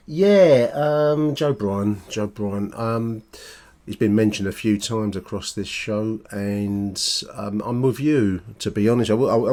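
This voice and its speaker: A man hosting a casual fan podcast, speaking in a halting, matey way and correcting himself as he goes. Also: fairly low pitch, darkish tone. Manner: halting, self-correcting, matey, tag questions. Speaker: podcast host.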